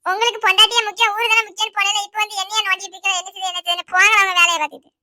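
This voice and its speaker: A woman plays a sick, irritable village wife in a cartoon, her Tirunelveli Tamil fast and piercingly high. She snaps and complains in a bright, tight tone, recorded dry and close. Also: little pitch movement, no room sound, heavily acted. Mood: irritated. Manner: scolding, complaining, shrill. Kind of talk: cartoon voice acting.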